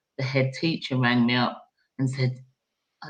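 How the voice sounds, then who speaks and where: This voice carries an English accent. It moves along rather slowly. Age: 60s. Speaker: former teacher and basketball coach. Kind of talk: casual interview. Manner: animated.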